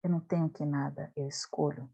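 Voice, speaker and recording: A woman with a Brazilian accent leading an online study group over a video call, speaking straight to the group in a lively way. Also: sits low, brisk, creaky, slightly rough, muffled recording.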